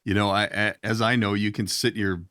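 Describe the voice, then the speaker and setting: A man's voice: fairly low pitch, flat delivery, brisk, fairly bright tone, no echo, studio quality. A middle-aged man hosting a podcast, asking questions in a casual, rambling, informal way. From Minnesota. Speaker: podcast host. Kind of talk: casual interview chat.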